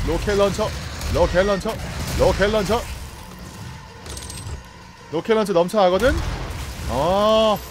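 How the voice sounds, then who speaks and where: A man's voice: sits high, background noise. A man streaming a video game, giving playful let's-play commentary and teasing and coaxing the enemies he fights. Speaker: gaming streamer. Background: game music and effects.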